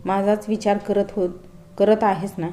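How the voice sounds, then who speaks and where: A woman's voice: medium pitch, flat delivery, measured pace, dark tone, lightly acted. A woman voicing a confident young man who teases his bride-to-be in a playful, self-assured way. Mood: teasing.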